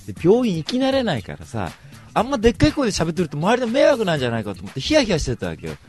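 A man races through a comic monologue, his pitch leaping up and down as he retells it. He speaks in rough, blunt casual talk, like a radio host spinning a story. Faint music plays behind him. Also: rapid-fire. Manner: animated, exaggerated retelling.

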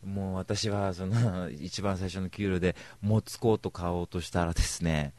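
A man hosting a radio show, telling a comic story in rough, blunt casual speech and retelling it with big exaggeration. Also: low voice, steady tone, normal speed, darkish tone, no room sound.

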